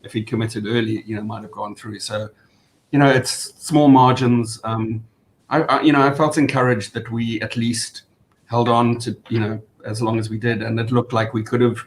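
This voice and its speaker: A man giving casual post-match analysis as a fan, speaking in a hesitant, measured way. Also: steady tone. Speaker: football fan panellist. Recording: faint rumbling background noise.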